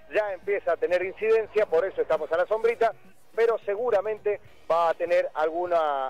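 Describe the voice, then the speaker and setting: Someone talks fairly quickly with ordinary pitch variation over faint background music, and the sound is dry with no echo. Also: man, high pitch for a man. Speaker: radio field reporter. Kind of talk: live news report. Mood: calm, relaxed. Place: street. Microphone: handheld.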